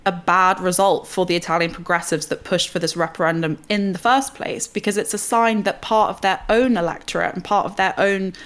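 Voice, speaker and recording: A woman with a fairly low voice takes part in a news discussion as a panellist. She is articulate and sets out her reasoning in an analytical way. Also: steady tone, brisk, few pauses, fairly bright tone.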